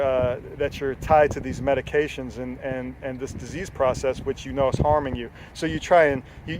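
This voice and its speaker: A mid-range-voiced health coach in his forties gives an unscripted motivational talk to camera against a noisy background. He's earnest but rambling, full of fillers and casual swearing.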